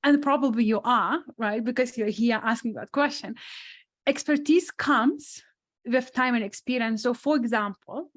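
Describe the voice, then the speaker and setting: A woman's voice: a little high, normal speed. A woman with a strong non-native accent, a sports psychologist answering questions on a webinar panel in a thoughtful, restarting way. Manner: thoughtful, many restarts and asides.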